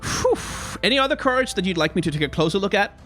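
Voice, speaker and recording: A young man, a little hoarse, chatting casually on a live stream, rambling and answering his chat as he reviews card art. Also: high voice, expressive, quick pace, a bit bright, soft background music. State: slightly hoarse.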